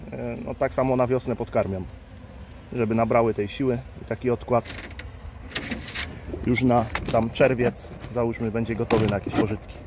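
A man's voice: medium pitch, darkish tone, a little hiss or hum. A man, a beekeeper, casually explaining his work at the hives as he films, thinking aloud with fillers. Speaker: beekeeper and channel host. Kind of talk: casual hands-on explainer vlog. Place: outdoors at beehives. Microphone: handheld phone camera. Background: faint outdoor ambience with buzzing bees.

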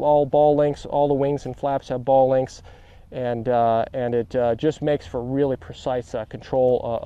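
A man's voice: mid-range voice, mellow, clean tone, no room sound, dull audio. A middle-aged man outdoors on a grassy field, presenting a model aircraft and then commentating its flight, full of fillers and eager asides to viewers. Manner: filler-heavy, eager, talks straight to viewers. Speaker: model aircraft reviewer and pilot. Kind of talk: product demo and flight commentary.

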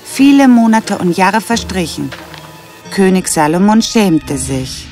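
A woman's voice: mid-range voice, big pitch swings, slow, warm tone. Female storyteller, scripted fairy-tale narration, music underneath.

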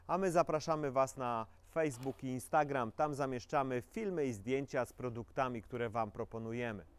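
A young man presenting a quad bike for a dealership, reading out its specifications in a steady, matter-of-fact way and inviting viewers to subscribe. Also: mid-range voice, clear, resonant tone, dry recording. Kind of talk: product presentation.

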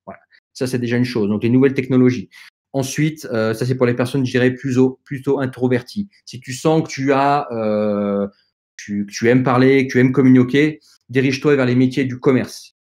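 Man, non-native speaker, podcast guest, hesitant delivery, lots of fillers, earnest advice, medium pitch. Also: fairly even intonation, normal speed, darkish tone. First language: not French. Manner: hesitant, with frequent fillers and restarts; earnest, direct advice to young listeners. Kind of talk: conversational advice in an interview.

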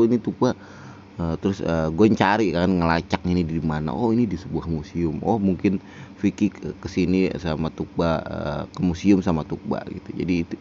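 A man's voice: low-pitched, vocal fry, mellow, dull audio, slight background noise. A man hosting a casual reaction commentary, rambling with many fillers and frequent chuckles. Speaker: reaction video host.

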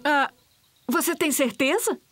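A kind, lively mummy pig. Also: female voice, sits high, measured pace, soft background music. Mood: gentle.

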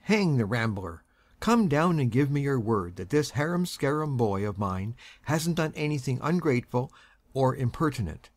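A woman's voice: extremely low pitch, very animated, normal speed, dry recording, pitched below the performer's own voice, exaggerated voice. A woman voicing a stern, irascible old grandfather who talks sharply and blusters. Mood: stern, demanding.

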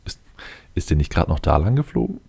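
A man with a very low, dark and relaxed voice hosts a let's play. He talks through the game off the cuff, matter-of-fact, as if mostly speaking to himself. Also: fast, gravelly, slightly rough. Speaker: let's play video host. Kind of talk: casual improvised game commentary, thinking aloud.

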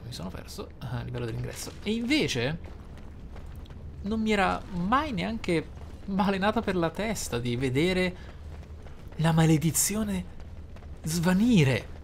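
A man's voice: high-pitched, expressive, a little slow, creaky, pauses often, a little hiss or hum. A man giving playthrough commentary on a roleplaying game, musing aloud in an emphatic way. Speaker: gameplay host. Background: game music behind the voice.

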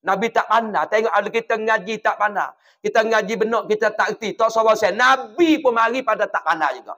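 A man from southern Thailand, preaching a sermon as a religious teacher and telling stories that swing between loud and hushed. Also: high-pitched, brisk.

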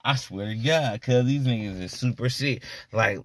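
A man's voice: mid-range voice, moderate pace, dry recording. A man telling street stories in a casual, rambling monologue, often checking in with "you know what I mean". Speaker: storyteller.

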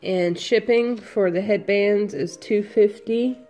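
A woman with a cold, sniffling a little, slowly listing her handmade headbands for sale from home. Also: mid-range voice, warm tone, soft background music. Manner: slow, unhurried item-by-item listing. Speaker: crafter selling handmade headbands. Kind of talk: casual product walkthrough.

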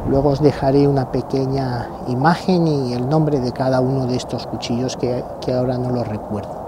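A man in his sixties, a channel host, seated in sunny pine woods, explaining his gear to the camera in a halting way, with fillers and repeated words. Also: medium pitch, fairly even intonation. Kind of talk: casual outdoor gear talk to camera. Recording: noisy outdoor recording.

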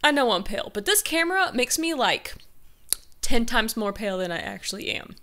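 A woman's voice: on the high side, big pitch swings, fairly quick, bright, forceful tone. A young woman hosting a casual reaction video, chatty and gushing, with a groggy morning voice.

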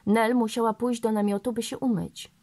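A woman narrating a novel aloud in a steady, measured way. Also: fairly high pitch. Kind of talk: audiobook reading of a novel.

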